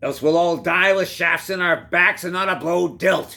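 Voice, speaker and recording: A man's put-on character voice, high-pitched and growling, in a monotone, flat intonation at a moderate pace. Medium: read story. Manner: growling, rough.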